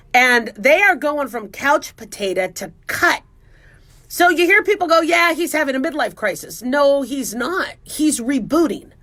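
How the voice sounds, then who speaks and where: A woman's voice: sits high, pushed and bright. A woman in her forties hosting a radio show, chatting in a casual, self-mocking, joking way. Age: 40s. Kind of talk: casual talk radio monologue.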